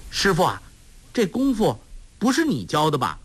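A man's voice: a little high, huge pitch swings, moderate pace, breathy edge, pitched above the performer's own voice, heavily acted. A man storyteller voicing a clever, playful teenage girl in a raised voice.

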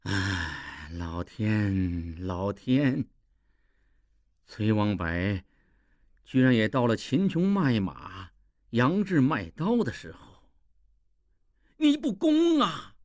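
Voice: low-pitched, expressive, slow, a little mellow, dry recording, studio quality. A performer voicing a proud, penniless young male scholar who swings between whining and grand boasting, in an audio drama. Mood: lamenting.

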